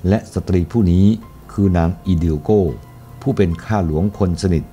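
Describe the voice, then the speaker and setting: A man reading the part of a humble male slave who speaks slowly, formally and with deference. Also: low voice, mellow, faint music behind, close to an everyday voice.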